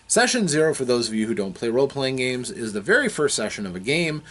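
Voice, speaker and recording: A man giving an unscripted explanation as a game master, speaking in a deliberate, halting way as he thinks aloud. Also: mid-range voice, big pitch swings, fairly bright tone.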